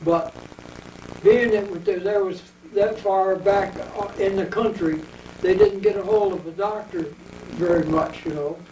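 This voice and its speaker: A man in his eighties with an American accent, telling his war memories at length in an oral history interview, wandering and pausing as he remembers. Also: sits high, creaky, mellow, slight background noise. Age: 80s. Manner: rambling reminiscing storyteller. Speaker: veteran interviewee. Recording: echoey room, mic at a distance.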